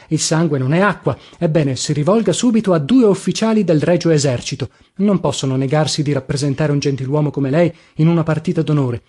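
Un uomo che interpreta un segretario servile e untuoso, che supplica con umiltà e si lamenta della propria condizione, in un audiolibro. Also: male voice, fairly high pitch, warm tone, husky. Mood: advising. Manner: pleading, humble, ingratiating. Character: servile scheming male secretary, humble and wheedling.

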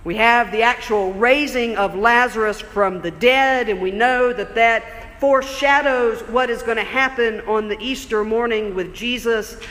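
A man preaching a sermon in a church, conversational and explanatory, slowing down for emphasis. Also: sits high, a bit bright. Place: church sanctuary. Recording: long church reverb.

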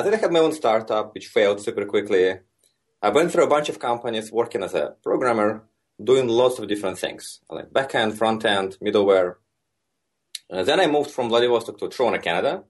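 A man in his thirties from Russia with a Russian accent, a software engineer explaining his work as a guest in a conversational interview, relaxed and full of fillers. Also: lowish voice. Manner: relaxed and explanatory, many fillers like "like" and "you know".

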